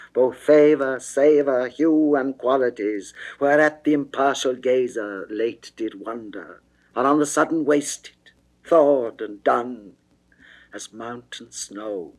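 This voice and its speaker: In a theatrical, declamatory, measured classical verse reading, a man voices a seductive goddess of love who pleads passionately. His pitch is medium, and the recording is rough.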